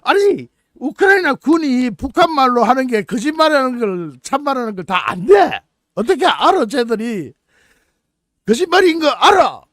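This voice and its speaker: A man's voice: extremely high pitch, big pitch swings, normal speed, fairly bright tone, no echo, clean studio sound. A man hosting his own channel, commenting on the news in a mocking, incredulous way. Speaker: political YouTube channel host.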